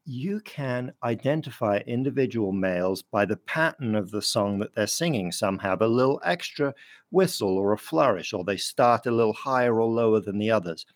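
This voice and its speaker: A man's voice: fairly low pitch, animated, moderate pace. A man from France, a biologist guest, explaining thoughtfully in a radio interview and chuckling now and then.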